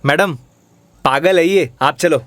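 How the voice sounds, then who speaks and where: A man's voice: on the high side, slow, fairly bright tone, dry recording. A man playing a bossy, blunt tough guy.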